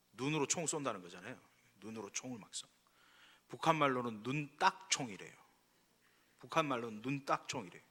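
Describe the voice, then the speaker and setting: Korean pastor preaching in a reverberant church. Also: male voice, medium pitch, fairly bright tone, slightly rough. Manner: conversational storytelling that rises to emphatic exhortation. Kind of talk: sermon. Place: church sanctuary. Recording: long reverb from a church hall.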